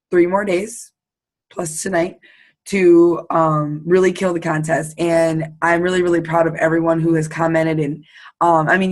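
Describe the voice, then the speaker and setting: A woman with a hoarse, fading voice, leading a casual, upbeat team call over video and repeating her points for emphasis. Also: sits low. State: losing her voice, sore throat. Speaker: team leader.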